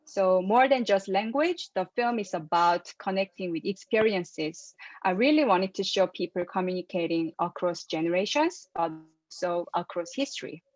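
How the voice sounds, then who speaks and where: A woman's voice: lowish voice, lively intonation, normal speed, dry recording. A woman explains her ideas carefully and earnestly, her shaping her English. The video-call audio is dull and lo-fi, with no room sound around her voice. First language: Korean. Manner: careful, earnest, soft laughs between points. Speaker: filmmaker guest. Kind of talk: interview answers.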